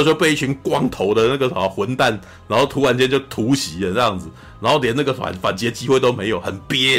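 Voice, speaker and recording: A man talks about a film on a podcast in a casual, lively way, acting out scenes and often saying "you know". His voice is husky and sits at a medium pitch. Faint music plays behind him. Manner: animated, acts out scenes, says "you know" a lot. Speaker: podcast co-host. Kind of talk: casual film review chat.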